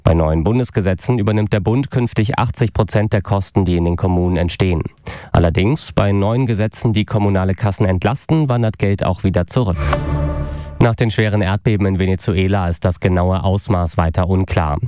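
Deep, warm male radio newsreader. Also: a little fast, clear, resonant tone, dry recording, clean studio sound. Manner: steady, formal news delivery. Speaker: news anchor. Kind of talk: radio news reading.

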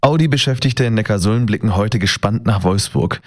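A man reading the morning radio news in a steady, formal way. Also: on the low side, a little fast. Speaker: news presenter.

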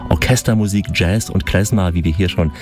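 A man narrating a documentary report in a calm, measured way. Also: deep voice, music in the background.

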